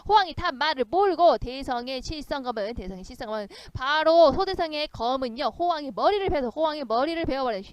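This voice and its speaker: A woman's voice: high voice, lively intonation, fairly quick, hardly any pauses, slight background noise. A woman teaching a classic novel for an exam, acting out its lines in voices and often laughing. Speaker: literature tutor. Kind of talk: exam literature lecture.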